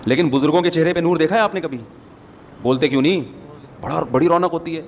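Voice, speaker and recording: An Islamic preacher with a fairly high-pitched voice delivers a sermon, addressing the audience conversationally and adding joking asides. A long hall reverb and faint ambience surround him, with slight background noise.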